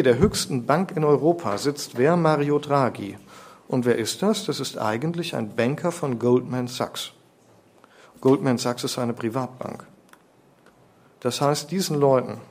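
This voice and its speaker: Male preacher, emphatic, lecturing, rhetorical questions, mid pitch. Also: gravelly, darkish tone. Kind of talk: sermon.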